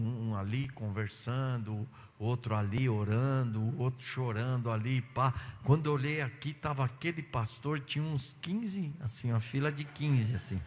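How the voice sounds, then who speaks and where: A man, a pastor, giving an animated sermon and telling stories, acting out dialogue. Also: medium pitch. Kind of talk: sermon with personal anecdotes. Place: church sanctuary. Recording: long church hall reverb.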